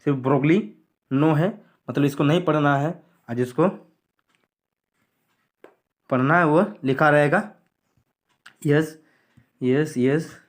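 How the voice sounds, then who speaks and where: A man's voice: fairly high pitch, fairly even intonation, takes it slowly, long pauses. A man going through a school syllabus on screen, repeating what to study and what to skip in a plain explanatory way. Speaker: teacher.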